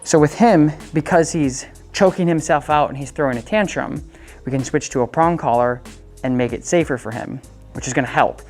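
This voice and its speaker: Woman, deep voice, dog trainer, casual coaching, chatty with fillers, quick upbeat commands to the dog. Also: a little mellow, soft background music. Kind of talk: hands-on coaching of dog owners.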